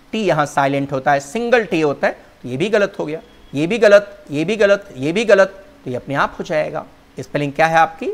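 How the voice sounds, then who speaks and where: A male teacher explaining English vocabulary and spelling in Hindi, calling his students "children" and spelling words out letter by letter. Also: a little high.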